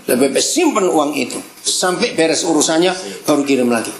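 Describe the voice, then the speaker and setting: A woman's voice: sits low, expressive, brisk, over a noisy crowd. A woman preaching a sermon to a live congregation, teasing and acting out family quarrels with a laugh in her voice. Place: church hall with congregation. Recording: echoey hall with audience responding. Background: congregation answering.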